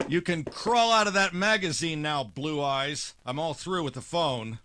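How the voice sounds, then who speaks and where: An actor playing a hard-boiled, wry private detective with terse, sardonic wisecracks, in old-time radio noir style. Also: male voice, on the high side, a little slow, background noise, lightly acted. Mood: brisk, wary.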